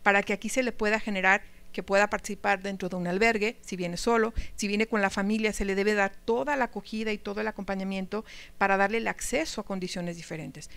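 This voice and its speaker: A woman's voice: medium pitch, clear, resonant tone. A woman giving a live lecture to teachers, talking conversationally and asking the audience questions. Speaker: speaker at a teacher training talk.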